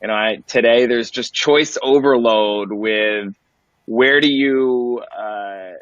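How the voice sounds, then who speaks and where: A man's voice: medium pitch, slow, a bit bright, no room sound. Articulate man, dry muffled audio. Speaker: CEO, webinar panelist. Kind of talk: polished professional pitch.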